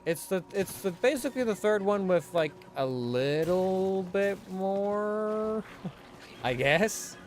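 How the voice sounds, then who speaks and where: Relaxed male streamer, chatty and lively in pitch, game music low underneath. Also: takes it slowly. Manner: relaxed, chatty, talks over game dialogue. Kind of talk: casual gameplay commentary.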